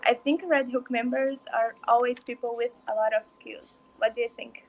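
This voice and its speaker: Fairly high-voiced woman. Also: fairly even intonation, moderate pace, rough recording. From northern Brazil. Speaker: social media person. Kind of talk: casual panel introduction.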